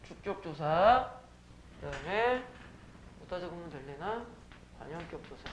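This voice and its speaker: A man's voice: fairly high pitch, animated, measured pace, slight background noise. Joking male classroom teacher. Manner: casual, joking asides to students. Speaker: high school Korean teacher. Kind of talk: classroom lecture with teasing banter. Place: academy classroom.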